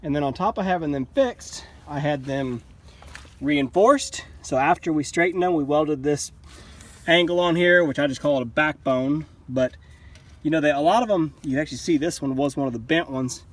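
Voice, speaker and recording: A man's voice: a little high, moderate pace. A man, a bit out of breath, casually showing the upgrades on his sawmill in a plainspoken, folksy way. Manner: plainspoken, folksy, explains as he goes. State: a little out of breath. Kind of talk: casual how-to vlog. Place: outdoors at a sawmill.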